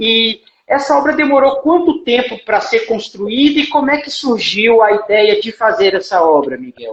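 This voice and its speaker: Hardly any pauses interrupt the talking. Its pace is moderate. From Brazil. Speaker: interviewer. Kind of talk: interview.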